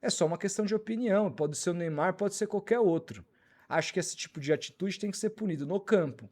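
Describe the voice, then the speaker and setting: A man with a high voice hosts a live football talk stream. He reads out viewer comments and answers critics in a blunt, informal way, with a quick delivery. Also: expressive, a little mellow. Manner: blunt, fast-talking, informal. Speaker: channel host reading superchats.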